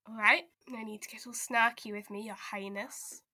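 A woman's voice: a little high, fairly even intonation, normal speed, bright, forceful tone, no echo, clean studio sound. A woman playing an exasperated but caring investigator in an audio drama, blunt yet hesitant when earnest. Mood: prickly, teasing. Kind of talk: audio drama table read.

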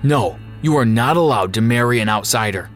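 A man voicing a stern, angry Amish father with a rough, harsh voice in a narrated story. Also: mid-range voice, big pitch swings, a little slow, faint music behind. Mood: furious, strict. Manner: scolding, forceful. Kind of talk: acted dialogue in a narrated story.

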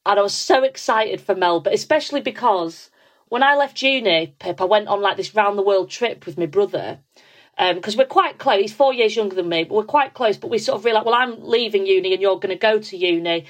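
A talkative woman in her thirties with a Yorkshire accent, chatting as a guest on a podcast. She tells long stories, filling them with likes and ums, at a middling pitch for a woman. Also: fairly quick. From Yorkshire, England. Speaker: comedian guest. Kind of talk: casual podcast chat.

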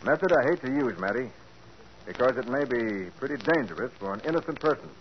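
Actor playing a sharp calm private eye, lively intonation, muffled old broadcast. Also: male voice, medium pitch, quick pace, lightly acted. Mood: assured. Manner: calm, assured questioning. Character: calm, clever male private detective. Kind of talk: 1940s radio acting. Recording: dull hissy 1940s radio recording.

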